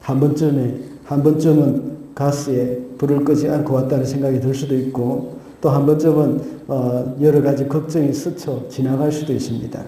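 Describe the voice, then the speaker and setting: A man preaches a Sunday sermon with a deep, very mellow voice. His delivery is measured and steady, punctuated by brief affirming asides. The sound rings through a strongly reverberant church sanctuary. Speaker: pastor. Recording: very echoey church hall.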